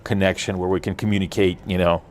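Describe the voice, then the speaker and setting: Deep-voiced man. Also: flat delivery, darkish tone, slight background noise. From Ukraine. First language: Russian. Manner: halting, many fillers and restarts. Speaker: guest explaining blockchain tech. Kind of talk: casual interview answers.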